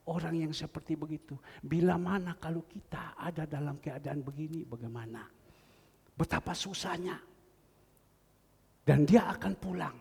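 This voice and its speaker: Male pastor preaching with feeling, raspy fry, big echoey church hall. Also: fairly high pitch, a little mellow. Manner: earnest, emotional storytelling preaching. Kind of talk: sermon. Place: church sanctuary.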